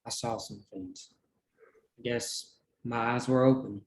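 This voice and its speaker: A man's voice: medium pitch, fairly even intonation, unhurried, reverberant, lightly acted, rough recording. A man playing a defiant, protective jailed prisoner with clipped delivery in a drama table read. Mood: subdued.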